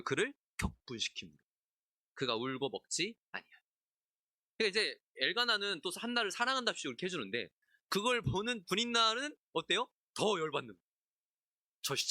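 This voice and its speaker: Lively, bright-voiced man preaching. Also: a little high, no room sound, studio quality. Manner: lively, conversational, asks the congregation questions; acts out biblical characters in asides, laughs often. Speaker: pastor. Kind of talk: expository sermon at a midweek service.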